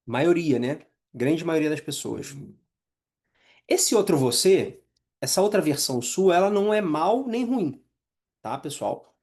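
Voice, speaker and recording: A man's voice: a little high, expressive, unhurried, a little mellow. Male mental coach, live masterclass; conversational, engages the room with questions. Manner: conversational, asks the audience questions, acts out inner voices.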